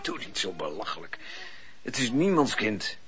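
A desperate husband, low and forceful, halting and indignant. The radio drama recording is muffled. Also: male voice, very animated. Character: agitated, exasperated husband, jealous and desperate.

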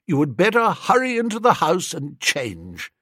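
A man voicing a bossy, self-assured young upper-class woman, speaking high and in a breezy, condescending way. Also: huge pitch swings, normal speed, pushed and bright, slightly rough, no room sound, clean studio sound, exaggerated voice. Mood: teasing.

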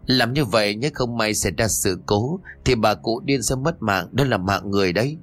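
A man's voice: fairly low pitch, normal speed, fairly bright tone, soft background music. A man voicing a protective middle-aged village matriarch who speaks firmly yet soothingly.

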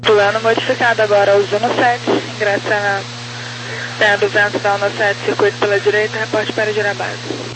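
A woman's voice: mid-range voice, little pitch movement, fairly quick. A woman working as an air traffic controller, giving procedural instructions over a two-way aviation radio. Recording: noisy, humming aviation radio channel.

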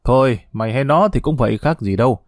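A man's voice: medium pitch, expressive, quick pace, no echo, clean studio sound, close to an everyday voice. Man reading as a cruel, barking camp commander. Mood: mocking. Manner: loud, barking.

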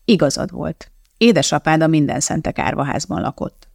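Castingnote: a reader playing an earnest, hesitant reverend, gravelly, dry audiobook read. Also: male voice, on the high side, no room sound. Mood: gentle. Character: eager, earnest male reverend.

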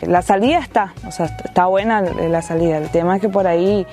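A young woman farmer from Formosa, talking in a halting way with many fillers. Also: lowish voice, warm tone, soft background music. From Formosa, Argentina. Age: young adult.

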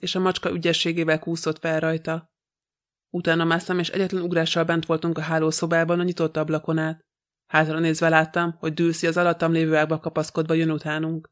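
A man reading a novel aloud as a narrator, in a very flat, even delivery. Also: fairly high pitch. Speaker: audiobook narrator. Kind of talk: scripted narration.

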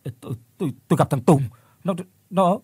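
A man's voice: a little fast, a little mellow, slightly rough, dry recording. A man doing a stammering, terrified young office worker. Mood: stammering fear. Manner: stammering, panicky, shrill when screaming.

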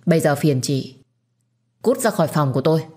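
A woman's voice: sits low, expressive, fairly quick, a little mellow. A woman voicing a stern older matriarch who scolds and commands her household in an audio story. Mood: furious.

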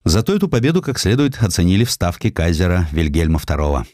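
A man reading a scripted historical narrative in an expressive, emphatic storytelling manner. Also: low voice, quick pace, no room sound, clean studio sound. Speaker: audiobook narrator.

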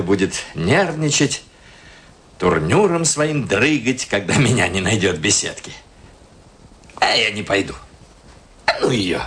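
Flustered, self-important husband, animated delivery. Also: male voice, lowish voice, creaky, heavily acted. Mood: wavering. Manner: muttering to himself, hesitant, exclaiming, theatrical. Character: self-important, flustered middle-aged married man at his dacha. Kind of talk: radio play acting. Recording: radio play with music underneath.

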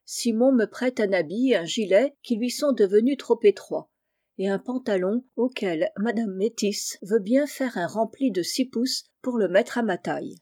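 An eager poor country boy from a classic storybook, read by a woman. He speaks earnestly, in a warm, mellow voice. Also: mid-range voice, normal speed, no echo, studio quality, close to an everyday voice.

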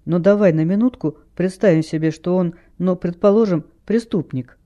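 A man playing a sensible teenage girl sleuth with a raised, mellow voice. She speaks firmly yet gently, reasoning things through in an audiobook. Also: high voice, moderate pace, lo-fi sound, lightly acted. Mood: persuasive. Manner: firm but gentle, reasoning.

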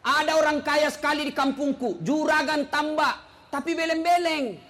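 A middle-aged man preaching a humorous sermon, teasing the crowd and breaking into shouts. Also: extremely high pitch, fairly even intonation, moderate pace. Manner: joking, teasing, storytelling, bursts of shouting.

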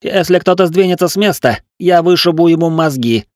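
A man's voice: medium pitch, expressive, moderate pace, darkish tone, dry recording, studio quality, pitched above the performer's own voice, lightly acted. A man voicing a cold, scornful male ship officer who speaks with contempt and command. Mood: contemptuous.

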